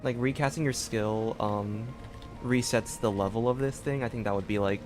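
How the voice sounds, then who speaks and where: A man's voice: lowish voice, fairly even intonation, moderate pace, music in the background. A man hosting a live gaming stream, chatting casually in a loose, rambling, hesitant way.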